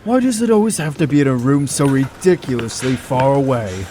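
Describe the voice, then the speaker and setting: A man's voice: medium pitch, lively intonation, a little fast, warm tone, close to an everyday voice. A man acting a troubled, wrongly accused doctor in an audio drama, hesitant and earnest. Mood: troubled, subdued. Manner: hesitant, stammering, protesting. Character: distraught, indignant male doctor, wrongly accused. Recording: faint background noise.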